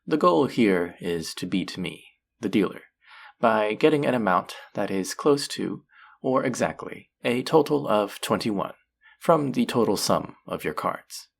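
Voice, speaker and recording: A voice actor playing a flirty, possessive demon casino dealer in an intimate audio roleplay, teasing and taunting in a low, husky, breathy voice. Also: expressive. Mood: playful, smooth. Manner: teasing, taunting, slow and drawn-out.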